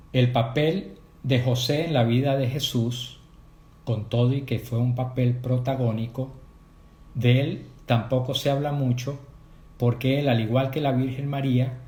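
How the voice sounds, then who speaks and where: A man leading a prayer group, giving a measured, explanatory talk on faith and addressing his listeners directly. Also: medium pitch, warm tone, reverberant. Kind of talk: catechetical talk.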